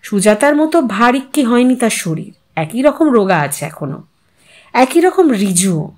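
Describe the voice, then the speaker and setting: A woman's voice: fairly high pitch, big pitch swings, measured pace, a little mellow. A woman reading a literary story aloud as a narrator, in a dramatized, musing manner. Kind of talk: expressive scripted story narration.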